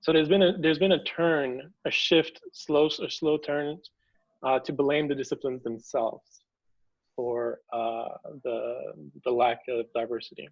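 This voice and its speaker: A man answering as an interview guest, talking hesitantly and with care, often pausing and restarting. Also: medium pitch, fairly even intonation, no echo, highs cut off. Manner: hesitant, many fillers and restarts, measured. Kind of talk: conversational interview.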